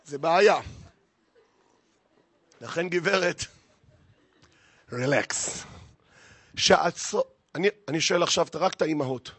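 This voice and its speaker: Male rabbi, fairly high voice, dry close sound, preaches with humor and rhetorical questions. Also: long pauses, breathy edge, dry recording. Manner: lively and joking, firing rhetorical questions at the audience. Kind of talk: humorous sermon to a live congregation.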